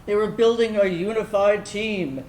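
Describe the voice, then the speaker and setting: A woman acting a candid lesbian military veteran in a staged reading, telling her story in a wry, confessional, conversational way with deliberate pauses. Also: medium pitch, darkish tone, natural voice. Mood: wry, animated. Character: candid lesbian military veteran recalling academy first love. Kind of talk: dramatic first-person monologue in a staged reading. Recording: roomy echoing stage recording, background noise.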